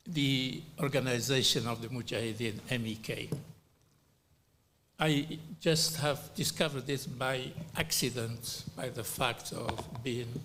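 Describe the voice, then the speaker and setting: A middle-aged man from Algeria speaks at a hearing in a measured, unhurried way, with a mid-range voice. He pauses often between phrases and falls back on fillers as he builds his points. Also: mid-range voice, fairly bright tone, a little hiss or hum. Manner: slow and deliberate, with frequent pauses and fillers. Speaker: panel speaker at a human rights hearing. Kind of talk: formal prepared speech.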